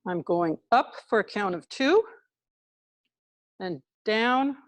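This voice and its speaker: A woman leading an exercise class through a face mask, talking calmly step by step as she demonstrates each move. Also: mid-range voice, slow, dry recording. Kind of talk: live exercise instruction, demonstrating while explaining. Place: indoors in a hospital building.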